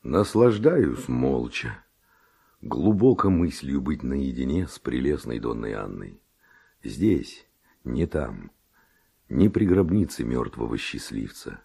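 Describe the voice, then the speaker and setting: A man's voice: a bass voice, big pitch swings, takes it slowly, gravelly, warm tone, slightly rough, exaggerated voice. An actor playing a passionate Spanish nobleman seducer, speaking verse in an ardent, declamatory radio drama manner. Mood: ardent wooing.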